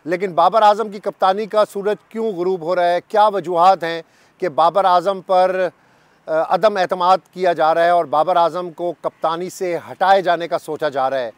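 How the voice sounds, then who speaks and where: A man's voice: high voice, fairly even intonation, moderate pace, no echo. A man in his fifties with a Pakistani Urdu accent, a cricket journalist giving emphatic, repetitive commentary straight to camera in a garden. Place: sunny garden outdoors.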